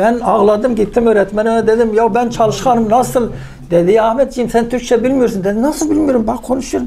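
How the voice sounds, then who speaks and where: A man speaks with a high pitch. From Kurdish region of Turkey, village. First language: Kurdish (speaking Turkish). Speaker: Turkish teacher, talk moderator. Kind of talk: panel talk on a book. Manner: hesitant, many filler sounds.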